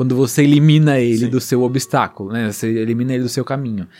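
Very fast and animated in tone, a man rushes through his words. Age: 20s. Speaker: podcast co-host, biology student. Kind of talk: casual chat.

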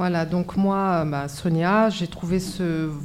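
A woman speaks at a fairly low pitch. Her intonation is flat and monotone. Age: middle-aged. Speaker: job seeker in training. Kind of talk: testimony.

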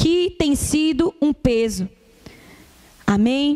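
At a very slow pace, a woman with a high pitch speaks with lively intonation amid noticeable background noise. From Brazil, Rio de Janeiro. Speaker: pastor. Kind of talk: sermon.

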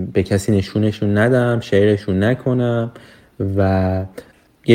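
A man speaks very slowly in a fairly low voice, his intonation flat and monotone. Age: 20s. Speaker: videographer and photographer. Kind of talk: voice message testimony. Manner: halting.

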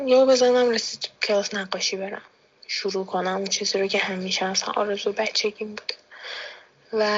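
Noticeable background noise sits behind a woman speaking at a fairly quick pace and a medium pitch. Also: fairly even intonation. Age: 20s. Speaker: painter. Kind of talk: recorded voice message.

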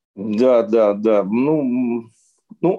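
A man speaks in a dark, mellow tone with very wide pitch swings. The background is quiet. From Penza region and Sochi, Russia. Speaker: dairy company head. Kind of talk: casual interview.

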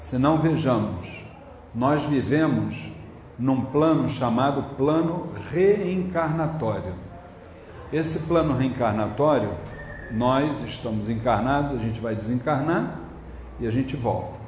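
A man with a medium pitch speaks very slowly and with lively intonation, pausing often and at length. Room echo and noticeable background noise can be heard. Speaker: Umbanda spiritual leader. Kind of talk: religious Q&A talk. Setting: temple with live audience.

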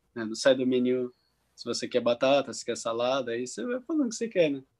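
Recorded very cleanly against a silent background, an ordinary speaking voice comes across dry and close, with no echo. Its pitch varies in an ordinary way. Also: man. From Brazil. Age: 20s. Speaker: factory worker living abroad. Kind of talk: casual chat.

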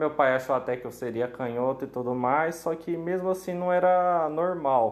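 A man with a plain, everyday voice, fairly high in pitch, with ordinary pitch variation. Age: 20s. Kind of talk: casual chat.

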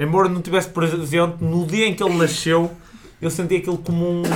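A man with a northern Portuguese accent talks very fast in a high, monotone, flat voice. Noticeable background noise runs underneath. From northern Portugal. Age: 30s. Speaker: football professional, podcast guest. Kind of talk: casual chat. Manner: halting.

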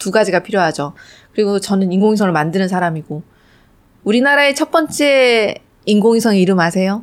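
A woman's medium-pitched voice with lively intonation, a fairly quick pace and long, frequent pauses. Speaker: physicist who builds satellites. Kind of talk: interview.

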